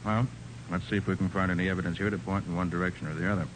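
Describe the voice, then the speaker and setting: An actor playing a confident, genial American master detective in a 1940s radio drama, brisk and assured. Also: male voice, deep voice, flat delivery, natural voice. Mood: probing. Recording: noisy 1940s radio recording.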